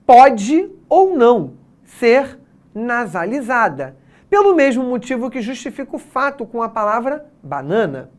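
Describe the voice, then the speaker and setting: A woman's voice: fairly high pitch, darkish tone. A woman with a Brazilian Portuguese accent teaching an exam prep lesson, explaining step by step and checking in with her students.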